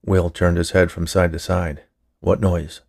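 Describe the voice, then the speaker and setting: A man's voice: deep voice, flat delivery, normal speed. A man reading a scripted short story in the manner of an audiobook narrator. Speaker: writer, narrator and producer of a fiction podcast.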